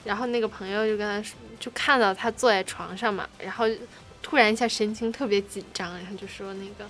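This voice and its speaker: A woman's voice: medium pitch, fairly even intonation, brisk, fairly bright tone, faint music behind. A young woman co-hosting a casual late-night chat show, telling stories in a rambling way with lots of fillers. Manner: rambling storyteller, many fillers. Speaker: co-host.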